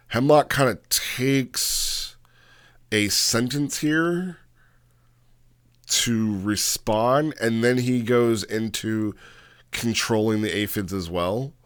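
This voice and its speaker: A man giving a casual, off-the-cuff review as host, rambling and halting as he talks, often checking in with the listener. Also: on the low side, fairly bright tone. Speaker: host reviewing roleplay logs.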